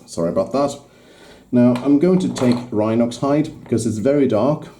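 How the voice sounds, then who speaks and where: A man's voice: mid-range voice, moderate pace, mellow, slight background noise. A man whose first language is Swedish, talking through a miniature painting tutorial in English, hesitant and stopping to correct himself as he works. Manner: hesitant, restarts while working.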